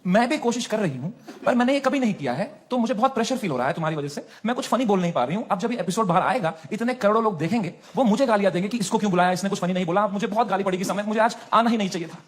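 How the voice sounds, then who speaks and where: A male comedian voicing a tearful, insecure young woman guest in a soft, pleading way. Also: fairly high pitch, very animated, rapid-fire, few pauses, voice pushed down.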